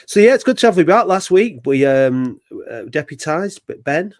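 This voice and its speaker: A man with a slightly raised pitch hosts a football podcast. He talks in a casual, chatty way, with plenty of banter. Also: expressive, moderate pace, a little mellow, no echo. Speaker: podcast host.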